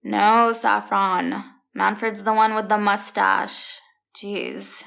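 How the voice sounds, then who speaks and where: Exasperated young student, played by a woman: wry, incredulous, casual, gravelly fry at a middle pitch. Audio comedy. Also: flat delivery, slow, a bit bright, exaggerated voice. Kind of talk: audio drama comedy acting.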